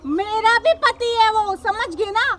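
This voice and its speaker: Actress as a young village daughter-in-law policewoman, defiant and preachy, bright high voice. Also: takes it slowly, a little hiss or hum, heavily acted. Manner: combative, lecturing, repeats "samajh gaye".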